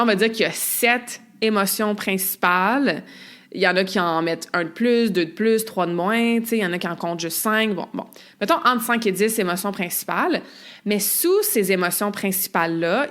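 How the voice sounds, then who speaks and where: A woman hosts a podcast in a casual, chatty monologue. She reels off long lists of words and peppers her talk with little filler asides. Her voice sits at an ordinary middle pitch. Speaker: podcast host.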